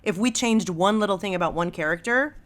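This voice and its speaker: A woman's voice: medium pitch, fairly quick. A woman guest talking casually and emphatically on a podcast, stating her opinions firmly.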